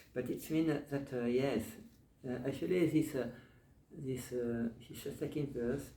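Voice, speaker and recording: A fairly high-pitched male voice, dark and mellow in tone and somewhat breathy, with fairly even intonation, long, frequent pauses and audible room echo. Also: fairly slow pace. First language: French. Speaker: Hare Krishna monk and lecturer. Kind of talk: scripture lecture to devotees. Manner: halting, with many fillers.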